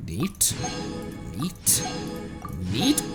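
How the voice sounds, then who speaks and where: A man with a fairly high voice that swoops wildly in pitch stretches out his words over loud background music. He's a streamer playing a video game, giving goofy, sweary, playful livestream commentary full of silly little noises and reading the game's text aloud.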